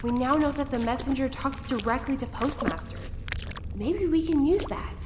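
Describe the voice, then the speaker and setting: Actress doing earnest determined woman adventurer, highish voice, insistent, audio drama w clear background noise. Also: moderate pace, reverberant, big-room sound, lightly acted. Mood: earnest, indignant. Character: earnest, determined idealistic woman on a perilous journey.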